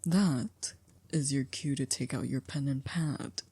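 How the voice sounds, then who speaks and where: Stern, low-voiced chief maid, acted by a woman. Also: mellow, breathy edge, exaggerated voice. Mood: dry, exacting. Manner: formal, measured, drily reproachful. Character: stern, dry, exacting chief maid of an estate. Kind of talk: ASMR roleplay acting.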